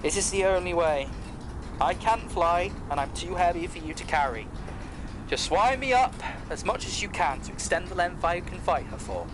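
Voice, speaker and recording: Man voicing a formal high-pitched clockwork man, noisy recording. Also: lively intonation, moderate pace. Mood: resolute. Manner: formal, literal. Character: loyal wind-up mechanical man, literal and formal. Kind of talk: audio drama acting. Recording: noisy amateur audio recording.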